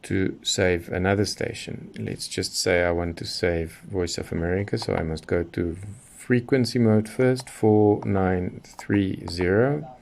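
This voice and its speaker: Here a shortwave hobbyist, a middle-aged man from Southern Africa, talks in a deep, creaky, somewhat mellow voice with a steady tone and measured pace. His tutorial is an off-the-cuff, careful hands-on demonstration explained step by step, and a little hiss or hum runs underneath.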